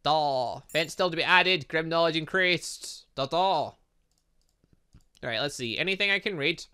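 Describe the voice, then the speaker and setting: A man's voice: fairly high pitch, measured pace, bright, forceful tone, smooth. A man chatting his way through a visual novel, thinking aloud and reading game text with playful little sound effects. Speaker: gaming YouTuber.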